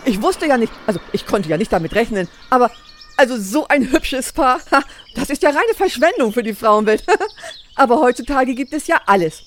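A woman's voice: fairly high pitch, expressive, brisk, slight background noise, close to an everyday voice. An actress playing a chatty, nosy older female neighbour in a radio play, gushing and rambling. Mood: flustered. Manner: gushing, rambling, overbearing, judgmental. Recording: outdoor scene with birdsong.

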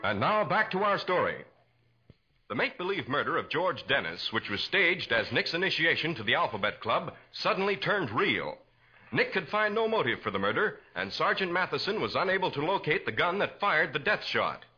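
A man's voice: fairly high pitch, sing-song, moderate pace, pushed and bright, slightly rough. A man narrating a scripted crime drama as a 1940s radio announcer. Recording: dull 1940s radio recording.

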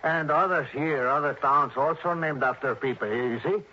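An actor playing a cautious young police sergeant, polite and hesitant. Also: male voice, a little high, moderate pace, sharp tone. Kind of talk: 1960s radio drama acting. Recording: muffled old radio broadcast with faint hiss.

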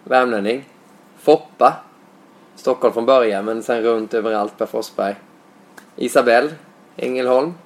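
A man's voice: medium pitch, pauses often. A man from Småland with a Småland accent, hosting a casual podcast in a chatty manner. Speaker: podcast host.

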